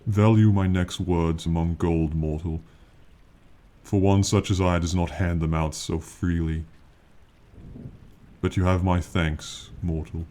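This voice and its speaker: A man voicing an ancient, proud male dragon in an ASMR fantasy roleplay, speaking slowly and formally with lofty, condescending yet fond authority. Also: deep voice, fairly even intonation, mellow. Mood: regal, reassuring. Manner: slow, formal, lofty, archaic phrasing.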